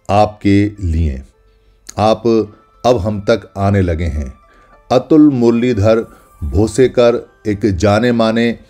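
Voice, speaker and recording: Slow, deep-voiced solemn male narrator. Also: dark tone. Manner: solemn, speaks as the caves themselves in first person; deliberate, lists names one by one. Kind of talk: scripted documentary narration. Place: voice-over.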